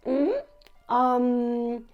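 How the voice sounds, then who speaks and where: A young woman hosting a casual food-tasting vlog, hoarse and nearly losing her voice, talking in a subdued, raspy monotone with small laughs. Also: on the high side, very slow, highs cut off, soft background music. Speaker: food vlogger. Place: her home in Japan.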